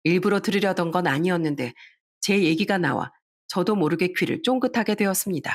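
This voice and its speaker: A woman's voice: fairly low pitch, fairly quick. A woman reading a first-person family story aloud in a scripted narration style, matter-of-fact.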